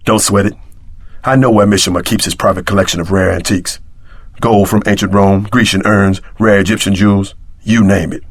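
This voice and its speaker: Low-voiced streetwise tough-guy game sidekick. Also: little pitch movement, a little fast, no echo. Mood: wry, streetwise. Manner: slangy, wisecracking, streetwise. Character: streetwise tough male sidekick, wry, wary ex-prisoner. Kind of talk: video game voice acting.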